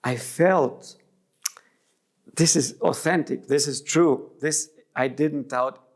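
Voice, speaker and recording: Man with a gravelly voice. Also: a little high. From Germany. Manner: thoughtful, halting, restarts mid-phrase. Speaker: interview guest. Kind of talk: reflective interview.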